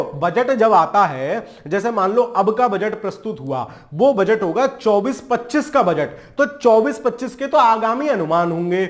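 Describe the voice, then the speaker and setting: A man teaching an exam-prep lesson in a casual, joking way, with memory tricks and frequent check-ins, speaking. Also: sits high. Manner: chatty, jokey memory tricks, frequent "ठीक है".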